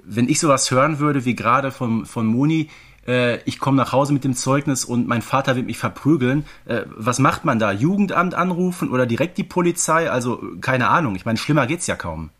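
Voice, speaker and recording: A man's voice: mid-range voice, animated, a little fast, a bit bright. A man co-hosting a casual podcast, speaking colloquially and emphatically, often adding little tag questions. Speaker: podcast co-host.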